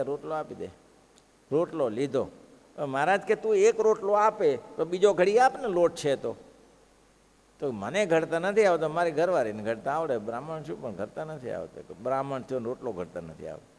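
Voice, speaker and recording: A man with a Gujarati accent, telling devotional stories in a sermon and acting out the characters' lines. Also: medium pitch. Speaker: preacher telling scripture stories. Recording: long hall reverb.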